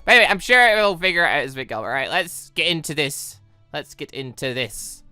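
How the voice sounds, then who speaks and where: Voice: mid-range voice, big pitch swings, brisk, bright, forceful tone, smooth, no room sound, soft background music. A chatty let's-play host, rambling casually and correcting themself mid-thought. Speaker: host of a gaming channel.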